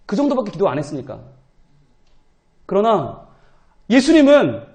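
A man preaches at a church prayer service, with a strikingly high voice for a man. His delivery swings widely in pitch, animated and humorous, as he acts out the doubting thoughts of his listeners. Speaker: pastor. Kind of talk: sermon.

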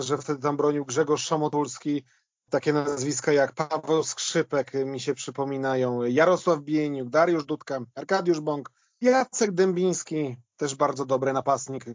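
A man talking football casually as a podcast panelist, recounting things in a halting, reflective way. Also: fairly high pitch, no room sound, dull audio.

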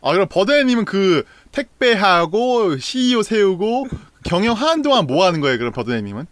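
A man's voice: sits high, big pitch swings, normal speed, no echo. A young man in his twenties hosting a casual streamed talk show, playful and teasing, often laughing. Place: small bedroom, indoors.

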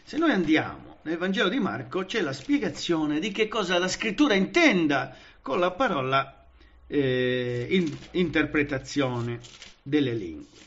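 A man's voice: on the high side, unhurried, lo-fi sound. A man preaching a Pentecostal Bible study, emphatic and engaging, often checking that his listeners follow. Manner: lively, emphatic, often asks the listeners "vedete?" and "capite?"; frequent fillers and restarts.

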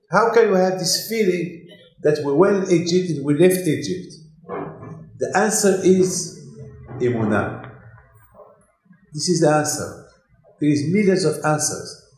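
Older rabbi teaching torah, broken english, lots of repeats, echoey shul. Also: male voice, high voice. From Morocco. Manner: animated, gesturing broadly, repeats phrases, non-native English. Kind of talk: Torah lecture. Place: synagogue hall, indoors. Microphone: desk mic on stand. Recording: echoey hall.

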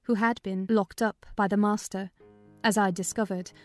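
A woman reads a dramatized storybook narration in a medium-pitched voice. Faint music plays behind her. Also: fairly even intonation, normal speed, a little mellow. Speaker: audiobook narrator.

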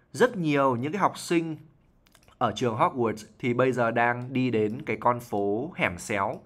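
Man, IELTS teacher, average pitch, explanatory lesson tone, repeats tag questions. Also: fairly bright tone. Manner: explanatory, frequent "right?" tag questions and repetitions. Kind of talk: lesson explaining English vocabulary from a novel.

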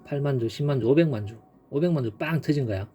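A man's voice: medium pitch, moderate pace, warm tone, slight background noise. A man teaching stock chart trading in a casual, emphatic way, repeating key points and punctuating them with sound effects. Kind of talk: casual screen-share chart lesson.

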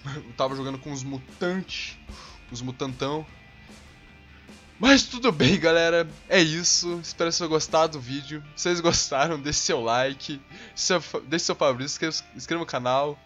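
A young Brazilian man with a Brazilian accent giving hot-tempered gameplay commentary, swearing and bursting into yells. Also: on the high side, fairly even intonation, fairly quick, soft background music. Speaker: gaming channel host.

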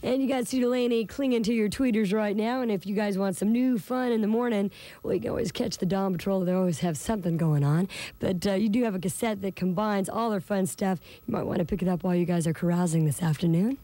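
Female American rock radio DJ, thirties: playful, chatty, relaxed tone, dry close-miked studio sound. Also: medium pitch, fast talker, dry recording. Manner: breezy, playful, slangy. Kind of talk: upbeat rock radio presenting, chatty patter. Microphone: close studio microphone on boom arm.

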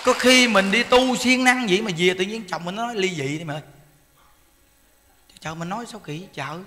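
A Buddhist monk preaches in a high, bright voice. He tells folksy, animated stories and acts out quoted voices. His words ring out with long hall reverb. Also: a little fast. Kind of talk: sermon.

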